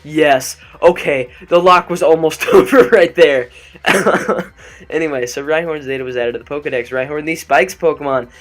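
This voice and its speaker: A young man hosts a let's play, chatting and cracking jokes over the gameplay with plenty of ums, speaking into a desk microphone. His voice is a little high and fairly bright at a moderate pace, with faint music in the background.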